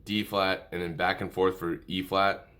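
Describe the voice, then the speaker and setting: A man's voice: deep voice, level tone, moderate pace, background noise. A man presenting an informal music tutorial, talking through notes hesitantly as if thinking aloud. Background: musical instrument playing.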